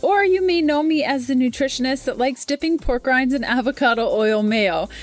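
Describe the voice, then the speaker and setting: A woman's voice: high-pitched, normal speed, soft background music. A woman in her thirties hosting her own podcast, talking candidly in a casual, chatty way with fillers like "kinda" and "like". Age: 30s. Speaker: podcast host. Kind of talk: casual solo podcast monologue.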